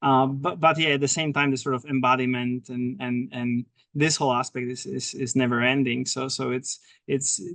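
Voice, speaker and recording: A man with a non-native accent talks at a moderate pace, his medium pitch held in fairly even intonation. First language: not English. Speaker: spiritual teacher. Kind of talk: casual chat. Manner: halting, many repetitions.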